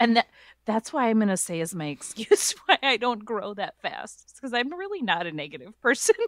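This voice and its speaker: A woman speaks at a fairly quick pace with a fairly high pitch and an Upper Midwest accent. Her pitch swings very widely and her loudness rises and falls a lot. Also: dry, close sound with no echo. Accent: Upper Midwest (Minnesota). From Minnesota, Twin Cities. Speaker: podcast guest, social media gardener. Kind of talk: casual chat.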